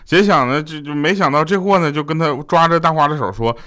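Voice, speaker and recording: A man's voice: a little high, fast, sharp tone. A man, hosting a comedic podcast and telling funny stories in a chatty, joking way. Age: 30s. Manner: joking, chatty, laughs often. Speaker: podcast host. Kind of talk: comedic storytelling chat.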